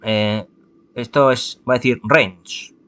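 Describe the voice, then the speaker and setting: He reads slowly, with a medium pitch, fairly even intonation, and a sharp tone. This man from Spain, speaking with a Spanish accent, stumbles through a visual novel, frequently fixing his mistakes and adding asides.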